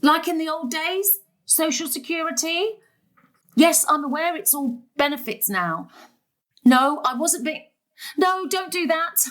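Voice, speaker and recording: A woman's voice: sits high, expressive, unhurried, fairly bright tone. A woman acting a harried middle-aged mother and carer in a stage drama, exasperated, emphatic and snappy. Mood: strained, pleading. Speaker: stage actor. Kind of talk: dramatic dialogue in a play.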